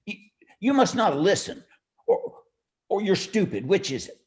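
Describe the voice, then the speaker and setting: A man's voice: high voice, sing-song, unhurried. An actor playing a cranky, forgetful old male jeweler, stammering and querulous in campy noir radio style. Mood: blustering, indignant.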